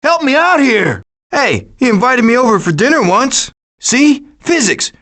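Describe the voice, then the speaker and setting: A man's voice: extremely high pitch, very animated, unhurried, sharp tone, exaggerated voice. A man voicing a cocky, wisecracking raccoon schemer in a video game, with a glib, sarcastic delivery. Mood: cocky, wry. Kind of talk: animated video game voice acting.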